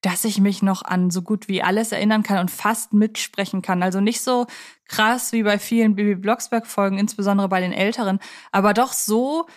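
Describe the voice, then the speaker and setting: A woman's voice: mid-range voice, fairly even intonation, normal speed. A woman hosting a podcast in a conversational style, explaining things at chatty length. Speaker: podcast host; film journalist.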